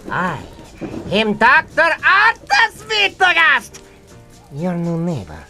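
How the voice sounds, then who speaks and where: Pompous young male mad scientist, bright and forceful. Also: fairly high pitch, wildly swooping pitch, takes it slowly, exaggerated voice. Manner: grandiose, indignant, melodramatic. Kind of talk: comedic radio drama acting. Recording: music behind the voice.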